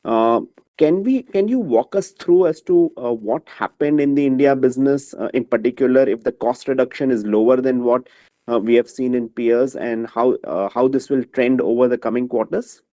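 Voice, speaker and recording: Male analyst, dark relaxed tone, dry lo-fi call sound, hesitant and roundabout questioning. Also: mid-range voice, moderate pace, no echo. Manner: hesitant, circling phrasing. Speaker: financial analyst asking questions. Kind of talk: unscripted question on an earnings call. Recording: dull, dry conference call audio.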